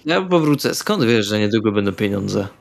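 A man's voice: on the low side, big pitch swings, fairly quick, gravelly. A man playing a tabletop roleplaying game, tossing in casual banter in a laid-back, wry manner. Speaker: tabletop RPG player.

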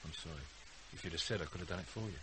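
An actor playing an amiable, easygoing man helping a troubled household, casual and gently teasing, in a naturalistic radio drama. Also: sits low, rapid-fire, natural voice. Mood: apologetic, mild. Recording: hissy radio drama recording.

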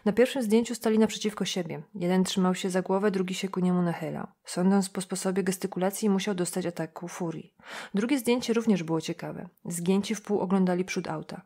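Mellow-voiced woman reading an audiobook. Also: medium pitch, fairly even intonation, brisk, breathy edge. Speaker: audiobook narrator. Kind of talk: scripted narration.

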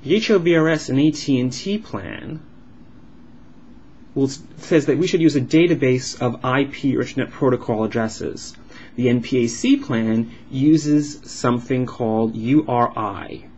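A man speaks as a live interpreter, explaining point by point in halting phrases with uneven pauses. His pitch sits in an ordinary male range. The recording is dull and lo-fi, with noticeable noise behind him. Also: darkish tone. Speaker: sign language interpreter voicing a signed vlog. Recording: dull lo-fi sound with clear background noise.

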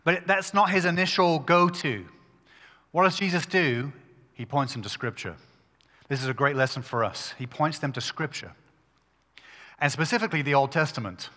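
Man, pastor, pulpit microphone, fairly high voice, conversational sermon, long hall reverb. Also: animated, bright, forceful tone. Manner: conversational, emphatic preaching with quick restarts.

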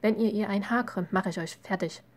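A woman's voice: medium pitch, a little fast, close to an everyday voice. A woman reading the lines of a teasing young twin brother in her own voice.

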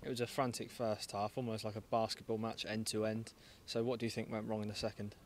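A man working as a club media interviewer, asking brisk, direct post-match questions outdoors at a night stadium. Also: fairly low pitch, flat delivery, slight background noise.

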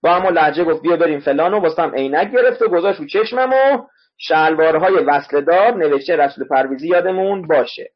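A male literature teacher giving an online class lecture, explaining words one at a time and repeating spellings for his students. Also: fairly high pitch. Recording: dull lo-fi online class audio.

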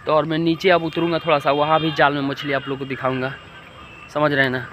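A man's voice: a little high, little pitch movement, quick pace. A young man vlogging outdoors by a pond, talking chattily to viewers on a phone held at arm's length. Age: young adult. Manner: chatty, addresses viewers directly, mixes in English words. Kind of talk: casual outdoor vlog. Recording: noisy outdoor phone recording.

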